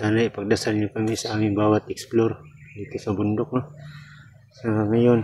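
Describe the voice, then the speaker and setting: A man speaks at a moderate pace in a monotone, flat intonation, with noticeable background noise. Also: fairly low pitch for a man. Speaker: vlogger. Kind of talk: outdoor vlog narration. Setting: outdoors in the mountains. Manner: speaking louder than before; shy, self-conscious. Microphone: phone recording, viewer said voice too quiet.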